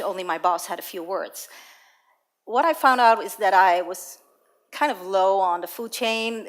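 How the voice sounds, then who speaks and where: A young woman from the Netherlands giving a personal, storytelling talk on stage, with light laughs and some restarts. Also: mid-range voice. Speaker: TEDx speaker.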